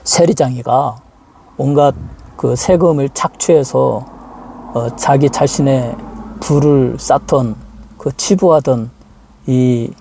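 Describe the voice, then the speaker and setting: A man's voice: medium pitch, takes it slowly, creaky, pauses often, mellow, slight background noise. A male pastor preaching an impassioned sermon, firing rhetorical questions and voicing heartfelt prayers aloud.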